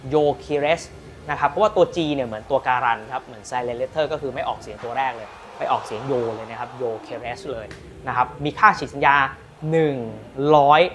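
A man hosting a football news channel, telling the latest transfer stories with lively emphasis and then pitching rare team shirts. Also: fairly quick. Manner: lively, emphatic storytelling with frequent polite particles. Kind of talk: energetic football news commentary and product pitch.

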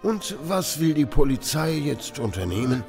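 An actor playing an older, smug and patronising tattoo artist with a theatrical drawl in a German audio drama. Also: male voice, on the high side, sing-song, normal speed, a little mellow, soft background music. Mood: evasive, firm.

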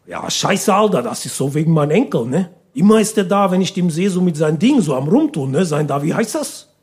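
A man's voice: sits high, sing-song, brisk, darkish tone, breathy edge, exaggerated voice. Man putting on an agitated, slangy old grandpa. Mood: frustrated, grumbling. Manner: slangy broken grammar, peppered with "ne" and "Alter". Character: indignant elderly grandpa talking in street slang. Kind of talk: stand-up comedy dialogue sketch.

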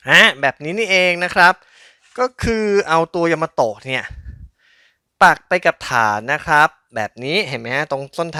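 A man's voice: mid-range voice, bright, forceful tone, dry recording, studio quality. A man hosting a casual unboxing video, chatting politely and thinking aloud as he handles things. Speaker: host of a collectible toy unboxing channel. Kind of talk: casual hands-on unboxing commentary.

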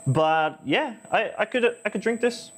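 High, animated male reporter. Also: unhurried. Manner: expressive, hesitant when tasting. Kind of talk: on-camera reporting and casual tasting chat. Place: indoor brewery hall and outdoor beer garden. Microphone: lapel mic.

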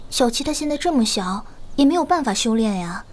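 Sweet younger fairy sister. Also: female voice, on the high side, expressive, a little fast, a little mellow. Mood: earnest. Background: music.

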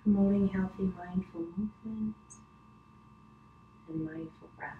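A middle-aged woman guiding a yoga class with gentle, unhurried, soothing cues and pauses. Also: medium pitch, phone-quality sound. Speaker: yoga instructor. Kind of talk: guided yoga instruction. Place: wood-panelled living room, indoors. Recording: roomy echo, clear background noise, distant camera.

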